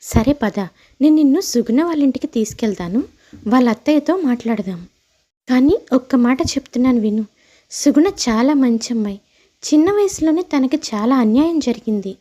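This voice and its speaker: A woman voicing a protective, persuasive young woman who speaks frankly and insistently for her friend in an animated moral story. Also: sits high, normal speed. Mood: frank, testing.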